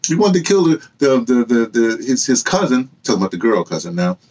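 Older American male, husky, highly animated delivery, emphatic unscripted commentary full of rhetorical questions. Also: brisk. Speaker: vlogger and activist commentator. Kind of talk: impassioned off-the-cuff opinion monologue. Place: small cluttered indoor room with books and hanging fabrics.

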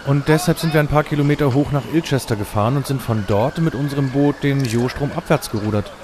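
A man's voice: medium pitch, fast, noisy background, close to an everyday voice. A man playing a nervous, hesitant hobby angler in a crime audio drama. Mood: eager.

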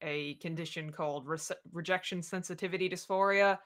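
Low-voiced, bright-toned woman on a panel. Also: steady tone, a little fast. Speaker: panelist, podcast writer. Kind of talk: candid panel talk. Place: indoor room, video call.

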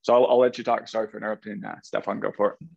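Gravelly low-voiced man on a call. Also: level tone, very fast. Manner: rambling, uses "like" often, apologetic. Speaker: meetup participant. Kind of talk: casual group discussion. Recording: dry, dull video call audio.

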